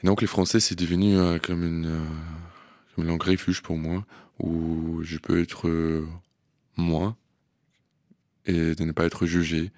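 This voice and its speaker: Brief: man, very low voice, dry close sound, halting radio guest. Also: little pitch movement, no echo. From Ukraine. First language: Russian and Ukrainian. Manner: hesitant, many fillers and restarts, laughs softly. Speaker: interview guest. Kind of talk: radio interview.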